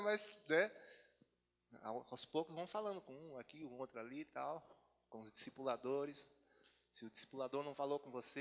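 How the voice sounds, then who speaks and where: A man with a Brazilian Portuguese accent preaching in a slightly high voice. He moves between relaxed asides and scripture read aloud. His voice carries with a long hall reverb. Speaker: pastor. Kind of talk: sermon. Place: church retreat hall.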